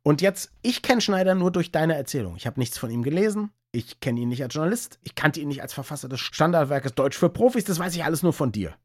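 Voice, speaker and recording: A man's voice: fairly high pitch, lively intonation, fast talker, few pauses, a little mellow, no echo, clean studio sound. A man co-hosting a podcast, asking curious, teasing questions in casual conversation. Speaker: podcast co-host.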